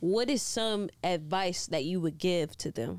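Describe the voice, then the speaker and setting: A woman's medium-pitched, unremarkable speaking voice with lively intonation, on a very clean recording with a silent background. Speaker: podcast host. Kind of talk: casual chat.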